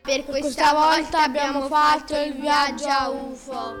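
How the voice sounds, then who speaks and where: A woman voicing a grim male black rabbit undertaker who speaks slowly and ominously, with children's music behind. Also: high-pitched, steady tone. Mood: grumbling.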